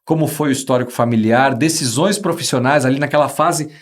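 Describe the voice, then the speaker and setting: A man's voice: mid-range voice, fairly quick. A man hosting a podcast interview, talking with enthusiasm and emphasis. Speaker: host.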